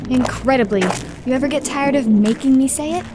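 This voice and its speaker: A woman's voice: high voice, brisk, noisy background, lightly acted. A woman playing a reluctant, sarcastic teenage girl on a sneaky adventure in an audio drama.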